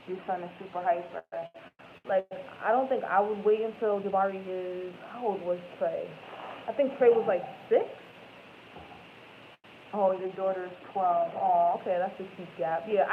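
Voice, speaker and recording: Woman in her twenties, tinny rambling chat. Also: medium pitch. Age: 20s. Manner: rambling, self-correcting, lots of "like" and "um". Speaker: live stream host. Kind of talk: casual chat with viewers. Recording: tinny phone-like audio with faint noise.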